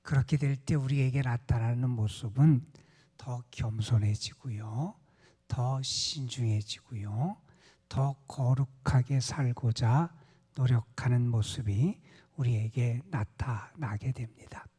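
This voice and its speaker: A male pastor gives a dawn prayer sermon, his mellow, husky voice often dropping to a near whisper. The sound carries a long reverb from the church sanctuary. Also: mid-range voice, takes it slowly. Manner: soft-spoken, often half-whispered delivery.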